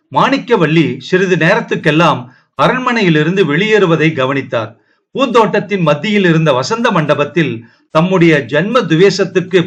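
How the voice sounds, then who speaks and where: A man narrating a historical novel as an audio book, in a steady, dramatic storytelling way. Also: a little high.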